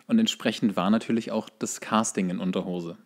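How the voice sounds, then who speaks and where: A man co-hosting a podcast, telling stories in a wry, colloquial and halting chat. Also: lowish voice, steady tone. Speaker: podcast co-host. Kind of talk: casual chat, storytelling.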